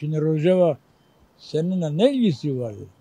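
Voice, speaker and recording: Lively intonation marks this man's dark, mellow tone. He keeps a moderate pace. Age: 70s. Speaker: street interview interviewee. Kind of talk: street interview opinion. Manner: animated.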